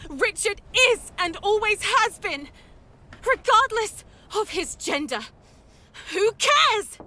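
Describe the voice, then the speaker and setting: A woman's voice: very high-pitched, big pitch swings, takes it slowly, bright, forceful tone, slight background noise, exaggerated voice. An actress voicing a determined young woman in a horror game who speaks urgently and defiantly.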